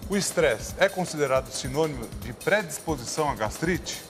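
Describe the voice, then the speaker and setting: A man hosts a television talk show, upbeat and turning often to the viewers at home. His voice sits a little high, with music clearly playing under him in the studio. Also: animated, a little fast. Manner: upbeat, addresses viewers directly. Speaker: TV show host. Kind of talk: live TV presenting.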